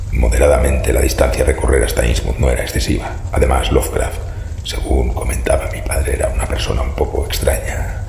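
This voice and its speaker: A male actor voices a grave, courteous and sinister old man descended from cursed fish-like cultists for a horror audio drama, using a full character voice that is very deep and a little mellow. The sound is gravelly, rasping and breathy, the delivery slow, formal and ominous. Faint noise sits in an echoey, reverberant room.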